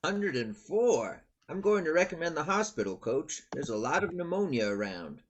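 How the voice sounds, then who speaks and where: A man's voice: fairly high pitch, big pitch swings, moderate pace, dull audio, slight background noise. A man reading the part of a kindly, plain-spoken family doctor in a screenplay table read. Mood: calm, reassuring.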